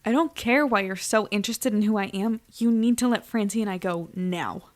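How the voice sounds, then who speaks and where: A woman's voice: mid-range voice, a little fast, natural voice. A woman playing a stubborn young human captive in an audio drama, blunt, indignant and defiant.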